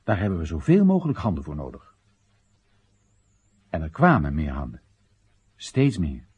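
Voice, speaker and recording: A man's voice: rumbling low, huge pitch swings, normal speed, a little mellow, husky, highs cut off, full character voice. An actor playing a wry Chinese everyman who narrates and questions his country's policies in a radio drama monologue, ironic, rhetorical and theatrical. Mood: rousing, declamatory, then wry, reflective.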